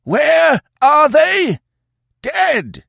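A man's voice: very high voice, very animated, extremely slow, vocal fry, fairly bright tone, no echo, clean studio sound, pitched above the performer's own voice, heavily acted. A man voicing a gaunt old tribal chief in a storybook, howling furious accusations. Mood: furious, accusing. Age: older.

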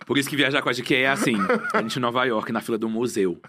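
A young Brazilian man talks at a quick clip, at a middle pitch. He tells his stories casually, slipping into the voices of the people he quotes. His Brazilian Portuguese accent is easy to hear. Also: very noisy. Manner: fast animated storyteller, acts out quotes. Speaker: guest. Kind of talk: casual chat.

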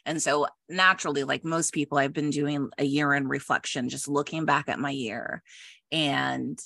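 A woman hosting a podcast with a bright, forward voice in a dry, close recording. She talks in a casual, reflective way and leans on repeated phrases for emphasis. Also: low-pitched, vocal fry, dry recording. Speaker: podcast host.

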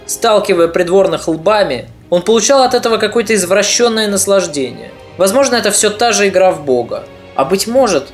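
A podcast narrator reading a scripted history story in a steady, even manner. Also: mid-range voice.

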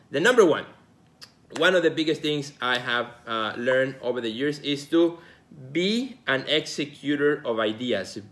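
Speaking solo on his own show, this podcast host from Mexico, in his forties, keeps things loose and meandering, often stumbling into fillers and starting over. His voice is mid-range.

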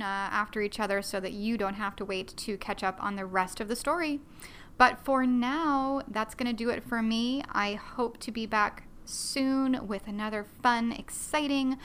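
Bubbly woman podcast host, bright voice. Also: on the high side, slight background noise. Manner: bubbly, self-deprecating, rambling with many fillers. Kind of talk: chatty solo podcast.

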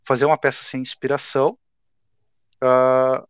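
A man's voice: mid-range voice, level tone, a little slow, clear, resonant tone, no room sound. Man in his twenties, casual podcast guest, easygoing talk, dry dull recording. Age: 20s. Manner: laid-back, says "cara" often. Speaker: guest artist.

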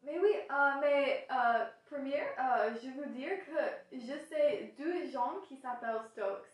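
A woman's voice: high-pitched, slow pace. Hesitant American girl, echoey room. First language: English. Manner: hesitant, many fillers and restarts. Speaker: student podcaster. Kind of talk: casual chat in learner French. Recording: echoey room, distant from mic.

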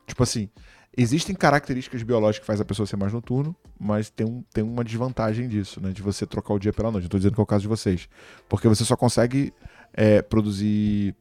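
A man hosting a casual chat, talking in a relaxed, slangy way with frequent laughs. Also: on the low side, fast talker, dry recording.

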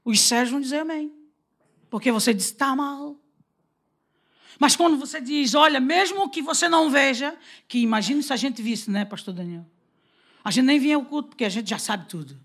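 A Brazilian woman preaching a lively sermon, telling stories and acting out the dialogue with frequent laughter. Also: sits high, moderate pace. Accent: Brazilian Portuguese. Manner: animated, acts out quoted dialogue, laughs often.

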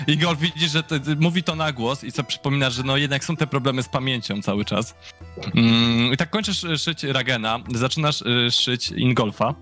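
Male game master, mid-pitched voice, loose and chatty, full of fillers. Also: normal speed, sharp tone, soft background music. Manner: casual, fillers and chuckles, says "listen" often. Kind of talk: narrating a tabletop game.

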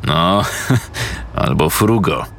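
Coarse conspiratorial buddy, man's own low voice, unhurried. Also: animated, gravelly, a bit bright, a little hiss or hum, exaggerated voice. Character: young man, scheming old school friend.

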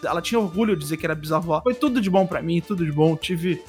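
A man's voice: a little high, fast, faint music behind. A Brazilian man in his thirties, co-hosting a casual podcast chat, telling funny family stories with lots of laughter. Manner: animated storyteller, laughs often. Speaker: podcast co-host.

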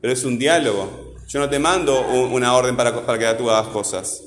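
A man's voice: mid-range voice, brisk, a crowd in the background. A man teaching a class, firm and insistent, often checking in with "¿verdad?". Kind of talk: classroom teaching and scolding a student. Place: school classroom. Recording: echoey classroom.

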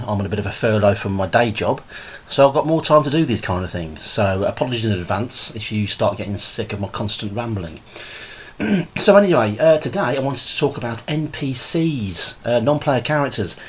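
Husky rambling man, podcast host. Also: medium pitch, expressive, brisk. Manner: rambling, with many fillers and restarts. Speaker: podcast host and game master. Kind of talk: casual solo podcast talk.

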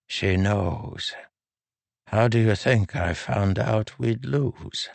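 A man puts on a frail old king, weary and fatalistic, his slow, soft words trailing off in sorrow. The voice is raised above the reader's own very deep register, yet it stays rough and gravelly. It sounds close and dry, as in an audiobook. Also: dry recording, heavily acted. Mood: resigned. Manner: soft, drawn-out, sorrowful delivery. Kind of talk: audiobook character voice.

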